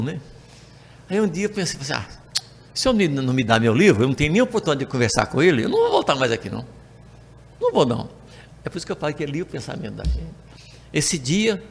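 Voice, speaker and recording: Animated older man telling stories in a hall. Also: a little high, vocal fry, husky. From Brazil. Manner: animated, acts out dialogue with voice changes. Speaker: spiritist lecturer. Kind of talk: storytelling talk to a spiritist group. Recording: long reverb of a hall.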